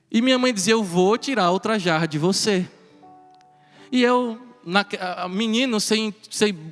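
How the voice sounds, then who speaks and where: Priest from the Northeast, earnest homily storyteller, light chuckles, voice high for a man, heard in an echoing church. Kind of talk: homily at Mass. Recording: reverberant church with soft music.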